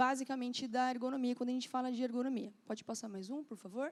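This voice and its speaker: Talking at a fairly quick pace is a woman. Her pitch is high. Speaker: professor. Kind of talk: lecture. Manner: fast.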